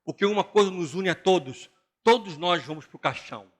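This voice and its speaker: An older man, a pastor with a Brazilian Portuguese accent, preaching an animated, joking sermon and mimicking other people's voices. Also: high voice, brisk.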